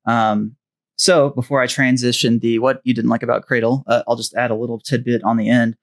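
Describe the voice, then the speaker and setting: Podcast guy, mid pitch, lots of ums, kinda loses his words. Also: flat delivery, brisk. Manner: hesitant, many fillers, loses his words. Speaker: podcast co-host. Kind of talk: casual podcast chat.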